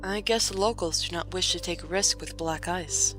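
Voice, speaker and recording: A woman playing a composed, gently teasing young noblewoman in a fan audio drama, with formal and dryly playful wording. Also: fairly low pitch, moderate pace, close to an everyday voice. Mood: pensive, serious. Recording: music playing behind. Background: music.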